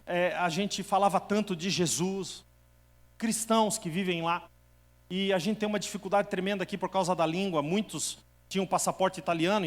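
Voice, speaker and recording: A male pastor with a high-pitched voice preaches to his congregation. He tells a story and calls on the listeners to answer him. His voice rings through a hall with a long reverb. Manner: storytelling, challenges the congregation to respond. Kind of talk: sermon.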